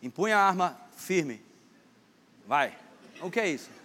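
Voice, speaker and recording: A man's voice: sits high, animated, measured pace, pushed and bright. A man preaching to a congregation, joking and teasing a volunteer as he acts out a lesson on stage. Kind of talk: playful sermon with a stage demonstration. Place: church hall with a congregation. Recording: long hall reverb, faint background noise.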